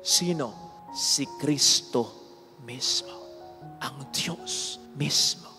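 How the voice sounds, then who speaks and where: A man's voice: medium pitch, very slow. A man who is a Catholic priest, delivering an emphatic sermon full of rhetorical questions. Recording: long hall reverb, faint music.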